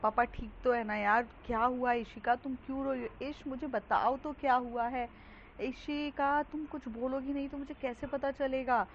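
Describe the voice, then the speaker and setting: A lady doing a frantic young woman firing off questions, voice pushed up high, kinda muffled lo-fi audio. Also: fairly even intonation, moderate pace. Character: panicked young woman searching for her father. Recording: dull lo-fi with faint hiss.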